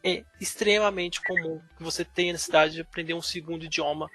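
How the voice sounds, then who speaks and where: A man with a Brazilian accent talks in a very high register for a male voice, bright and forceful. He sounds like a recruiter on a panel, making his case with examples and emphatic lists. Some light music sits behind him. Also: steady tone, quick pace, dry recording. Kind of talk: explanatory panel talk with examples.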